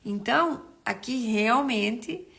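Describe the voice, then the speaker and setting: A middle-aged woman, still getting over a cold with a rough throat, hosts a casual nutritionist live stream, rambling and restarting as she greets viewers by name. Her fairly high voice is animated and a bit bright, with vocal fry and a slow pace.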